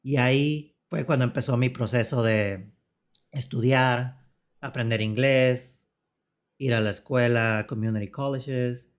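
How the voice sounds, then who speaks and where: Guest psychotherapist, northern Mexican man in his forties, calm and reflective. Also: medium pitch, unhurried. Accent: northern Mexican Spanish. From Tijuana, Mexico. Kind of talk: personal testimony in interview.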